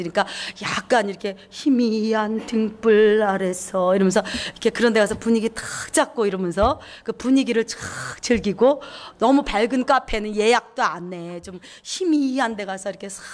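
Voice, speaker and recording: A woman pastor preaching a lively sermon, acting out inner voices and repeating words for emphasis. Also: mid-range voice.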